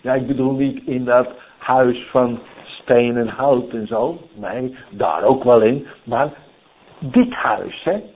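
A man's voice: medium pitch, slow. A man preaching a sermon in a folksy storytelling way, often checking in with "hè?", who grew up in the Netherlands. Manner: folksy, lively storytelling with many "hè?" asides. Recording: tinny phone-like sound.

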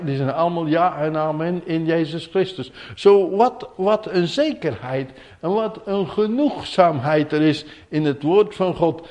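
Man giving a chatty sermon, slightly high voice, keeps asking "hè?", repeats words, drops to a hush. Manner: conversational, asks listeners questions, repeats key words; says "hè?" often, drops to a hush for emphasis. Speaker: preacher. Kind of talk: informal sermon, Bible reading and commentary.

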